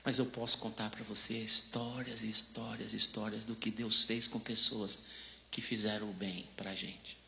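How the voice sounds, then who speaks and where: A Brazilian pastor preaching a storytelling sermon, swinging from hushed asides to loud outbursts, in a church hall. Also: male voice, fairly low pitch, level tone, normal speed, vocal fry, a little hiss or hum. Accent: Brazilian Portuguese.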